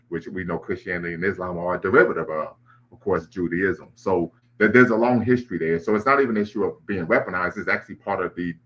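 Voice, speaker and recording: A man's voice: low-pitched, a bit bright, muffled recording. A man hosting a live online discussion, lecturing at length and citing history, with frequent restarts. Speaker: livestream host.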